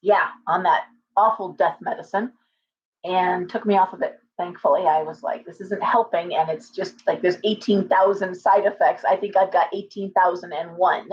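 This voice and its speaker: A middle-aged woman, a tarot reader, chatting casually on a livestream from her living room, hoarse from coughing and rambling with many restarts. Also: fairly low pitch, fairly even intonation, moderate pace, slight background noise. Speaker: tarot reader and shop owner. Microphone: webcam at desk distance. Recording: slightly dull lo-fi webcam audio.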